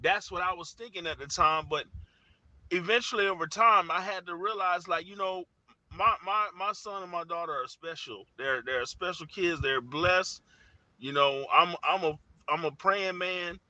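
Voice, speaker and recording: A man in his forties, a father speaking as an interview guest, earnest and searching, often pausing on "you know" and restarting his sentences. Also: high-pitched, pushed and bright, no echo, muffled recording. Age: 40s. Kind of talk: reflective conversational interview.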